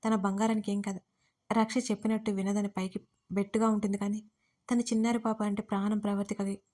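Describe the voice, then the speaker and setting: A woman narrating a family drama audiobook as scripted storytelling, reading in a gentle, even manner. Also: mid-range voice, fast talker.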